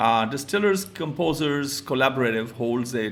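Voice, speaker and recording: In a room with audible echo, a man with a medium pitch speaks with a Punjabi accent. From India, Punjab. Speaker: musician and online talk show host. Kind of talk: live video interview introduction. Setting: live video call stream. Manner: halting, many fillers.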